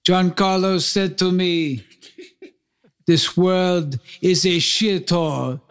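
A man putting on a brooding Italian drifter, gravelly. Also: high-pitched, fairly even intonation. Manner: heavy, over-the-top put-on accent, dramatic pauses. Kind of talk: tabletop roleplay in character.

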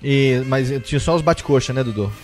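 A man's voice: mid-range voice, fairly quick. A man with a Brazilian accent hosting a casual group chat about old music. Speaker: podcast host. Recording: music playing under the talk.

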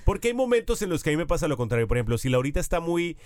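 A man's voice: on the high side, sing-song, racing, darkish tone, no room sound, clean studio sound. A young man co-hosting a casual podcast while he has a bad cold, joking and good-natured. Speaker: podcast co-host.

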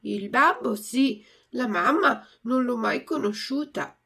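A woman voicing a frightened wooden puppet boy who pleads in a high, crying voice. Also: slow, creaky, sharp tone, full character voice. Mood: meek. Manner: shrill, high, crying pleas.

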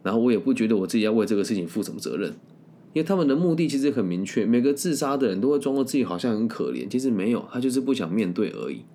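A man, a career-planning coach, telling a story in a casual monologue. He talks bluntly and candidly and often ends sentences with drawn-out particles. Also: medium pitch, very animated, mellow, slight background noise.

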